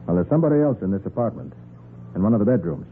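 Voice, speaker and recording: Tinny old radio recording, male private eye, acted, rapid clipped speech, lively pitch, confident, shrewd. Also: close to an everyday voice. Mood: urgent, commanding. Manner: clipped, authoritative. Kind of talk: 1940s radio crime drama acting. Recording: muffled, noisy 1940s radio recording.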